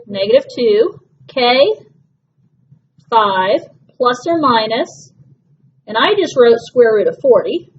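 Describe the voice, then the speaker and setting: A woman's voice: on the high side, lively intonation, slow, pauses often. A woman math teacher working through a problem step by step, patient and reassuring with her class. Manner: patient, reassuring, walks through steps aloud. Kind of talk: classroom lesson. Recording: dull lo-fi classroom recording with faint hiss.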